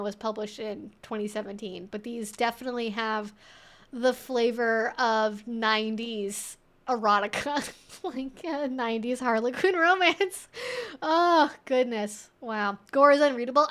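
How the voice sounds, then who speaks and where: A woman's voice: a little high, moderate pace, a bit bright. A woman hosting a casual livestream, chatting to viewers in a playful, wry, mock-serious way and often giggling as she talks. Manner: giggles often while talking. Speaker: livestream host.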